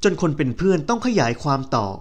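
A man voicing a cheerful, teasing young male agronomist friend who talks brightly and chattily. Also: a little high, sing-song, fast talker. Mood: earnest.

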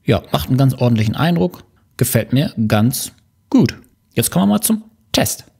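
Gravelly man casually reviewing gadgets. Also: mid-range voice, normal speed. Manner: relaxed, explanatory, with many fillers. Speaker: channel host reviewing motorcycle intercoms.

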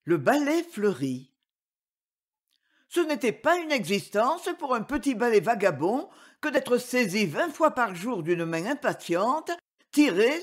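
A woman reading a fairy tale aloud for children, gentle and expressive. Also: on the high side. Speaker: audiobook reader.

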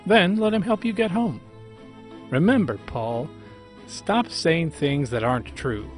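A man's voice: on the high side, animated, a little slow, faint music behind. A man playing an odd preacher who kindly scolds and moralizes in an audio drama. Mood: kindly admonishing. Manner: admonishing, moralizing.

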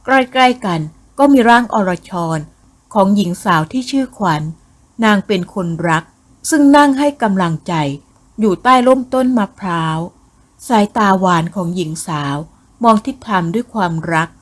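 A woman narrating a Thai ghost novel as an audiobook, with a measured, expressive reading. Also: medium pitch.

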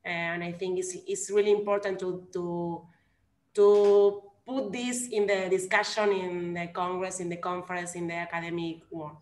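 A woman's voice: lowish voice, flat delivery, moderate pace, darkish tone, echoey room. A young woman from Argentina with an Argentine Spanish accent, speaking English earnestly on a video call from home and searching for words. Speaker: conference participant. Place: room at home.

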